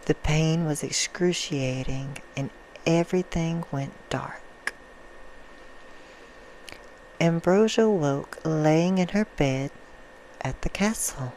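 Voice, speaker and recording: Noisy backdrop; woman as soothing, menacing female vampire, hushed and unhurried, for an ASMR bedtime story. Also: low-pitched. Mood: hushed storytelling. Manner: slow, hushed storytelling, drifting into whispers. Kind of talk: ASMR roleplay. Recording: clear background noise.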